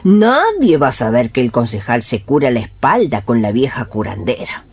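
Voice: medium pitch, very animated, moderate pace, a little mellow, slightly rough. An actor playing a humble, pious and cheeky old woman folk healer with an Argentine accent in a radio play, talking in a familiar, folksy way. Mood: reassuring, sly. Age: older. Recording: music behind the voice.

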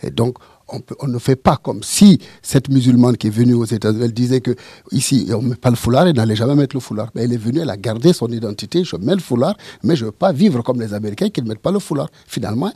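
Gravelly-voiced man, a fiery debater with a dry, close sound. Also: medium pitch, quick pace, dark tone, no room sound. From French-speaking, living in Toronto. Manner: impassioned, emphatic, repeats himself. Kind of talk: formal debate speech.

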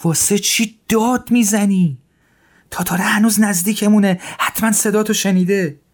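A man's voice: mid-range voice, animated, voice pushed up, lightly acted. A man voicing a brave, resolute young officer who talks in an urgent, commanding way. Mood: alarmed. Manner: urgent, commanding, loud in tense moments.

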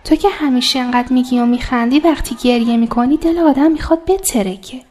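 An actress playing a caring young woman who gently coaxes a crying friend in a radio drama. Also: sits high. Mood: tender. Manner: tender, coaxing.

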